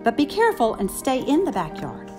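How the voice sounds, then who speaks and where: Picture book grandmother, read by a woman: reassuring, instructive, gently encouraging, faint music underneath. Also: on the high side, wildly swooping pitch, a little fast. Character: kind, reassuring grandmother teaching her granddaughter.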